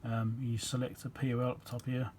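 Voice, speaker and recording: Mellow-voiced man explaining electronics repair casually. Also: mid-range voice, monotone, fairly quick, slight background noise. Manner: rambling, matter-of-fact, thinking aloud.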